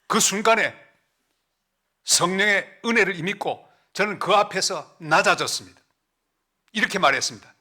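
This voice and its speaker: A middle-aged man with a Gyeongsang accent preaches a sermon in a church. His voice sits a little high and rings bright and forceful. He tells his stories with lively swings, then drops into soft, slow asides. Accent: Gyeongsang Korean. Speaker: pastor. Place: church sanctuary.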